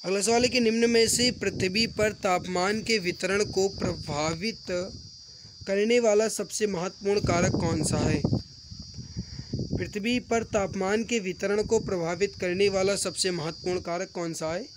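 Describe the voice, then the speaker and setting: A man teaching an exam-prep mock test online, reading out questions and answers briskly and addressing viewers as friends, often repeating himself. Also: sits high. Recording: rattling wind noise in the background. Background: wind noise from a storm outside.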